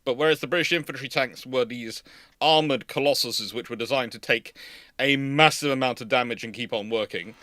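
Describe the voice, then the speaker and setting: Bright-voiced man hosting a dry, close-miked livestream. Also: mid-range voice, no room sound. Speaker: host of a naval history livestream. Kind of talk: casual panel chat and commentary.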